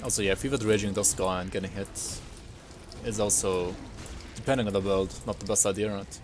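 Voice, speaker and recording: Relaxed man chatting through gameplay. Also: lowish voice, brisk, background noise. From partly raised in Sweden. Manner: relaxed and rambling, ends points with a tag question; chats with viewers while playing. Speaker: streamer. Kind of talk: casual gameplay commentary.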